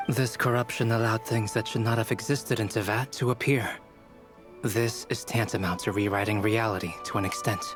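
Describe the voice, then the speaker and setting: An actor voicing a calm, analytical male advisor in a game, speaking measured and formal. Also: fairly low pitch, close to an everyday voice. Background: game music.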